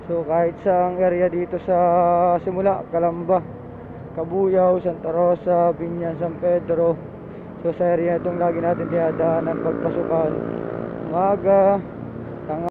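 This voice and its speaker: A man's voice: high voice, little pitch movement, moderate pace. A Filipino man chatting casually to viewers as he records a motorcycle vlog, often repeating short phrases. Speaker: motorcycle vlogger. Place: outdoors on a motorcycle in traffic. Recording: dull lo-fi, loud traffic and engine noise.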